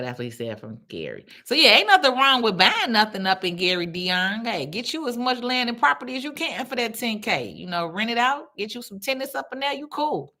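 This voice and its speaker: A woman from Chicago with a Chicago accent, hosting a casual livestream on her phone and chatting bluntly with viewers in slangy talk. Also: on the low side. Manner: blunt, slangy and animated, calls viewers baby. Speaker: livestream host. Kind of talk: casual live chat answering comments.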